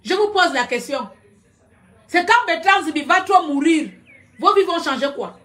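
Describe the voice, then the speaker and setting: Loud combative woman, high voice. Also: expressive, normal speed. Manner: loud, combative, shouting at viewers. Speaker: live-stream commentator. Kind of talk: heated live-stream rant. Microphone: computer webcam.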